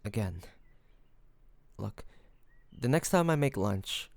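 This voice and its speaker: A man playing a smitten, courteous mafia boss in an intimate romantic audio roleplay, speaking haltingly with bashful hesitations. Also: lowish voice, expressive, gravelly, darkish tone, no echo, heavily acted. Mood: flustered, amused.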